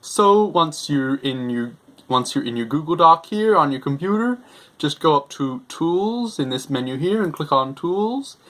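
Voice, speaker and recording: A young man hosting a software tutorial, explaining each step in simple, repetitive terms. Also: fairly high pitch, animated, a little slow. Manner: simple, repetitive explaining, refers to himself in third person. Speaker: tutorial host.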